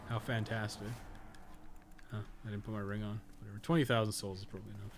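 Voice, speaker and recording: A man's voice: fairly low pitch, little pitch movement, fast, a little hiss or hum. A man giving casual, rambling livestream commentary while he plays a game, blunt and slangy with some swearing. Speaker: game livestreamer and podcast co-host.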